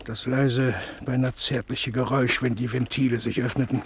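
An actor playing a broken, gentle camp survivor in a radio drama, speaking haltingly in a rough voice. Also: male voice, mid-range voice, little pitch movement, a little hiss or hum, close to an everyday voice. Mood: bitter, haunted. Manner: hesitant, halting, faltering.

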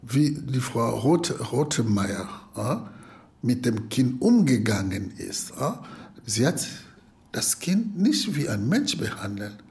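A man of about fifty with a Congolese accent, speaking spontaneously and haltingly with deliberate pauses. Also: mid-range voice, big pitch swings, vocal fry, a little mellow. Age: around 50. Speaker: interviewee, social worker. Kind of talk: spontaneous account in non-native speech.

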